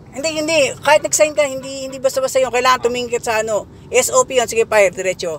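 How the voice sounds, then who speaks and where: Noticeable background noise sits behind a man speaking at a very fast pace. His pitch is extremely high, with ordinary variation. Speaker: driving instructor. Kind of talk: driving lesson instruction. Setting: in a car. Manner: casual, instructive.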